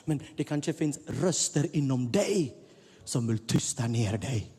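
A middle-aged man preaching a sermon as a pastor, moving between soft, low passages and loud, fervent peaks. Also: lively intonation. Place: church hall. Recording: echoey hall, slightly husky.

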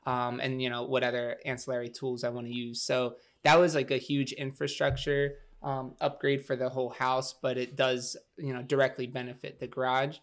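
A man's voice: medium pitch, little pitch movement, normal speed, few pauses. Man, podcast host, mid-range voice, upbeat, jokey, casual.

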